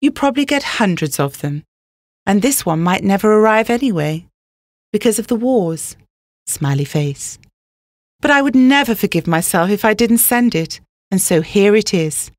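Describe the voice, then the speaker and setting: A woman's voice: medium pitch, animated, normal speed, no room sound, close to an everyday voice. A woman voicing a vain, lovestruck young male racehorse, gushing earnestly through a comic love letter. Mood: earnest, smitten. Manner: earnest, gushing, reading punctuation aloud.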